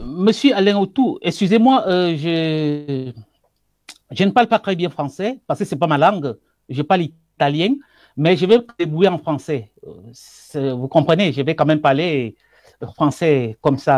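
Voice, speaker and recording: High-voiced man, emphatic. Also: a little mellow, no room sound. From Cameroon. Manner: emphatic, repetitive, halting restarts. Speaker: guest by video link. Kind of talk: passionate political commentary. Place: indoor room with wood wall. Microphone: earphone headset on video call.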